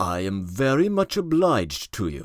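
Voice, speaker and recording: A man's put-on character voice, fairly low in pitch with very wide pitch swings, at a moderate pace in a dry, close sound with no echo. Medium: read story. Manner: grave, solemn.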